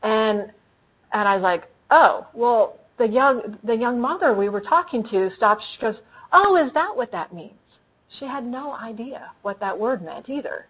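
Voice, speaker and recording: A woman speaking to an audience in a conversational talk, answering questions, lively and full of restarts. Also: a little high, a little slow, husky, poor audio. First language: English. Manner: animated, frequent restarts. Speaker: speaker training storytellers.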